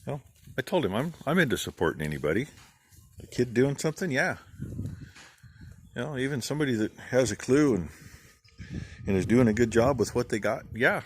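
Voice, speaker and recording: A middle-aged man, a farmer vlogging, giving rambling, plain-spoken shout-outs in a casual way. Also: mid-range voice, big pitch swings, fairly quick, long pauses, a little hiss or hum. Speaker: farm channel vlogger.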